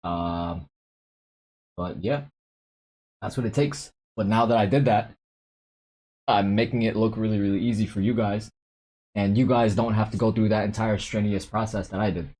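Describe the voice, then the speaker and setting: A young man hosting a casual livestream about day trading, laid-back and quick to laugh, reading out chat messages. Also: fairly low pitch, steady tone, a little mellow.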